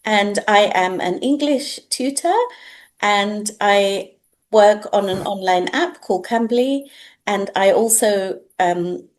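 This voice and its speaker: A woman hosting an interview as an English tutor, encouraging and asking simple, clear questions. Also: mid-range voice, slow. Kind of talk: casual interview chat.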